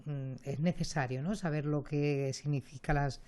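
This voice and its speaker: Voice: mid-range voice, steady tone, moderate pace, a little mellow. A radio host introducing a segment and its guests in a conversational way, with hesitant fillers.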